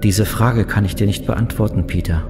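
A man acting as a spaceship's computer in a sci-fi audio drama. The voice is fairly low, calm and dispassionate. It reports in measured, formal, matter-of-fact sentences, with music clearly behind it. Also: lightly acted. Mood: calm, factual. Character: calm, dispassionate male ship computer, factual and polite.

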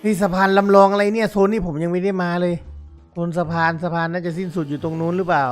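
A man giving excited game commentary to his viewers, exclaiming and laughing often. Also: high voice, quick pace, faint music behind. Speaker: gaming YouTuber.

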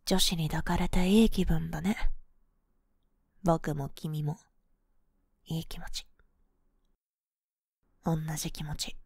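A woman voicing a cool, boyish young woman, a possessive and sweetly manipulative lover, in an ASMR role-play of intimate pillow talk, soft, breathy and coaxing, close to the microphone. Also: deep voice, steady tone, slow pace, long pauses, dry recording, full character voice. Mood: soothing, hypnotic. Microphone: close microphone, dry.

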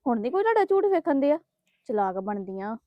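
Bitter, complaining woman in a family drama, played by a woman, fairly high voice; dry, muffled sound. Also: big pitch swings, brisk, dry recording. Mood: resentful. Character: resentful woman complaining about her in-laws. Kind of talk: Punjabi family drama acting.

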